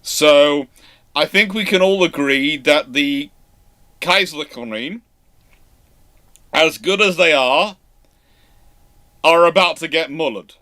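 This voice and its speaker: A man's voice: on the high side, pushed and bright. A man hosting a casual live question-and-answer chat, stammering through false starts and repeating himself. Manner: halting, stammering false starts and self-repetition.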